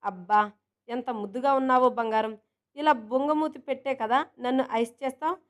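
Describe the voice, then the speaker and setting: A woman's voice: high-pitched, fairly even intonation, normal speed, lightly acted. A woman voicing a young female coworker who teases her best friend fondly. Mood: teasing. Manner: teasing, fond.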